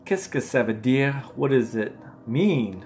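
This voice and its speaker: A man's voice: medium pitch, animated, takes it slowly, a little mellow. A man casually studying flashcards aloud, repeating words and laughing at his own mistakes. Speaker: language learner vlogger.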